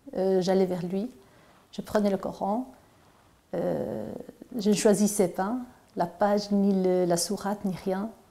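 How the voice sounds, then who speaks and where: A woman speaks at a very slow pace with a medium pitch, a dark, mellow tone, flat, monotone intonation, and long, frequent pauses. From Morocco. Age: 40s. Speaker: volunteer teacher. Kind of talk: testimony. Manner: halting.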